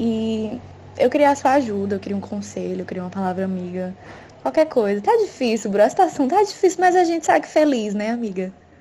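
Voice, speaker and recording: A woman speaks quite quickly at a fairly high pitch, with very wide pitch swings and big swings in loudness. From Brazil, Fortaleza, Ceará. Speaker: listener sending voice message. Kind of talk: recorded voice message.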